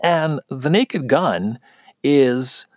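A man's voice: medium pitch, lively intonation, very slow, dry recording, clean studio sound. A man giving a casual spoken film review, chatty and conversational, with frequent fillers and restarts.

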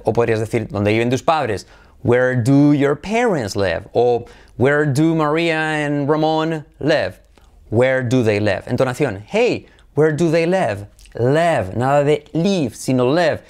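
Slow-paced man drilling English phrases. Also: mid-range voice. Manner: drills phrases slowly, then repeats with lively intonation. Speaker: English teacher. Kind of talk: online English lesson.

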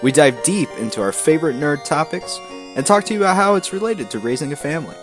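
A man's voice: a little high, expressive, fast talker, over music. A man reading a short promo for another podcast in an upbeat announcer style. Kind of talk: promo voice-over.

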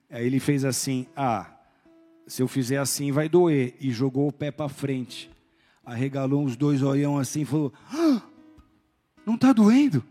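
A man, preaching a sermon as a pastor and telling stories animatedly, acting out the voices in them. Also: mid-range voice. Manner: animated storytelling, acting out voices, shouting at peaks.

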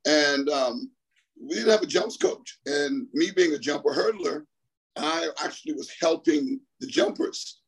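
Husky-voiced man from the Bahamas. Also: on the high side, measured pace, low-quality recording. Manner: rambling, repeats words, laughs often. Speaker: track coach. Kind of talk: storytelling interview on a call. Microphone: phone.

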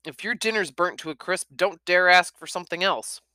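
A woman reading aloud, voicing an angry, gruff father who scolds his son. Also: lowish voice, brisk, bright, forceful tone, dry recording, voice pushed up. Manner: gruff, barking.

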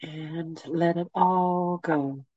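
A woman with a head cold and a nasal voice, leading a guided meditation with gentle, soothing instructions. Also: lowish voice, fairly even intonation, drawn-out words, husky, no room sound, lo-fi sound.

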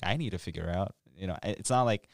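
A young man in his twenties from Korea, co-hosting a podcast and talking things through in a relaxed, reflective way with some hesitations. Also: deep voice, quick pace, gravelly, dry recording. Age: 20s. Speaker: podcast co-host. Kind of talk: casual conversational podcast.

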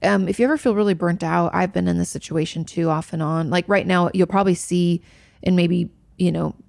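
Gravelly low-voiced woman giving advice. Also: steady tone, brisk, darkish tone, dry recording. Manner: chatty, explains with many fillers and restarts. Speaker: therapist answering viewer questions. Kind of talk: casual advice talk.

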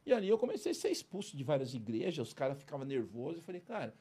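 Fast, husky man, animated and emphatic. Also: fairly high pitch. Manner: emphatic, streetwise, keeps adding "entendeu?" and "cara". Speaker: interview guest, former criminal turned prison speaker. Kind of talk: casual conversational interview.

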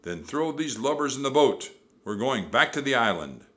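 A man's voice: mid-range voice, big pitch swings, measured pace, pushed and bright, pitched above the performer's own voice, full character voice. A man voicing a cruel, bullying pirate captain in a storybook, growling and roaring in pirate dialect. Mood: roaring orders.

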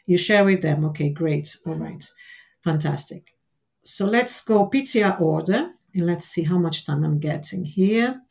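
Husky Portuguese-native woman hosting. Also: lowish voice, lively intonation, measured pace, a little mellow. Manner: explanatory, encouraging, frequent "right?" tags. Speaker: host of a speaking exercise session. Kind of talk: casual online group session.

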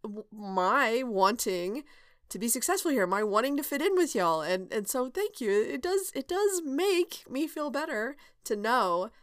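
A woman's voice: on the high side, big pitch swings, measured pace, no room sound, studio quality. A woman hosting her own podcast, talking casually and candidly with lots of fillers, restarts and light laughs. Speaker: podcast host and OB/GYN. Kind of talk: casual solo podcast chat.

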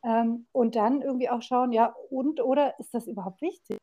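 A woman's voice: on the high side, steady tone, moderate pace, mellow, dull audio. A woman in her forties from Berlin, a therapist talking as a podcast guest in a candid, chatty, colloquial way with plenty of fillers. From Berlin, Germany. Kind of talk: casual podcast interview.

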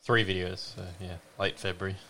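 A man's voice: low voice, flat delivery, a little fast, pushed and bright, slight background noise. An Australian man co-hosting a casual live stream, giving short, laconic, dry replies. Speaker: co-host of a live-streamed show.

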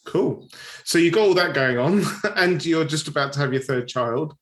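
A man's voice: a little high, lively intonation, normal speed, a bit bright. A man hosting a casual interview, friendly and a little hesitant as he restarts his questions. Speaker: interview host.

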